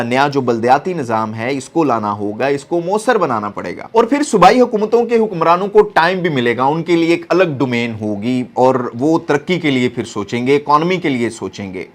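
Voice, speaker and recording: A man with a Pakistani accent giving earnest, explanatory political commentary, mixing in some English terms. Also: mid-range voice.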